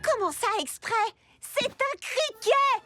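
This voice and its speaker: A woman voicing a kind, sensible, earnest little girl heroine in an animated cartoon. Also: extremely high pitch, takes it slowly, exaggerated voice. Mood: concerned. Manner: earnest, expressive, caring. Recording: music underneath.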